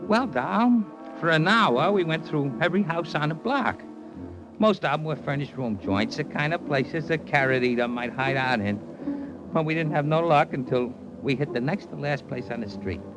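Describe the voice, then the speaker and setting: A man's voice: fairly high pitch, normal speed, natural voice, rough recording. A man playing a brash Hollywood agent. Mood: frantic. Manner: slangy, excitable. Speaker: talent agent. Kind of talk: 1940s radio acting. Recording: old radio drama with music.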